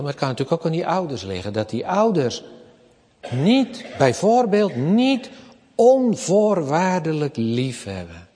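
A man preaching a sermon as pastor, slow and emphatic, often rising to raised, forceful passages. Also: mid-range voice. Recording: long church reverb.

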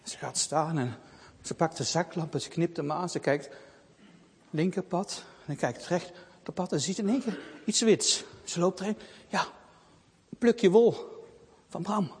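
A man reading a Christian children's story aloud with expressive delivery. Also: on the high side, measured pace, slightly rough. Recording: long reverb.

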